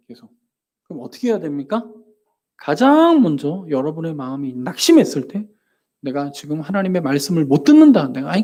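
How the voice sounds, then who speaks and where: A man preaching a sermon as pastor. His delivery is emphatic, with rhetorical questions to the congregation, sudden loud exclamations and near-whispered asides. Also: sits high. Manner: acts out the nagging inner voice in direct speech.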